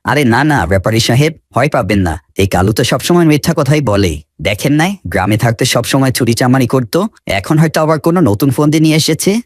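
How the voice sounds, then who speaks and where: A man's voice: mid-range voice, lively intonation, fast talker, no echo, clean studio sound, natural voice. A man voicing a dismissive, distrustful village man in a cartoon. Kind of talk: cartoon character acting.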